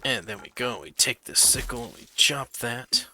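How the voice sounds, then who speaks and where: A man's voice: medium pitch, lively intonation, a little slow, pushed and bright, slight background noise. A man giving casual, playful commentary as he hosts a gaming video.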